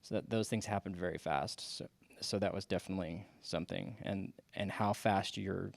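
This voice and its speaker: Forties male guest, gravelly low voice, halting storyteller, dry close recording. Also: fairly even intonation, dry recording. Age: 40s. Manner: halting, many restarts and fillers. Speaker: podcast guest. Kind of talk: casual interview chat.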